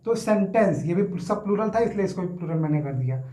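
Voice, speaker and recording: A man teaching English grammar in a casual Hindi lesson. He explains step by step, stretches words out slowly when sounding them, and keeps checking in with his students. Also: high voice, lively intonation, mellow. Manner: explains step by step, often checks in with "theek hai na". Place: room, writing on a board. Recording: echoey room.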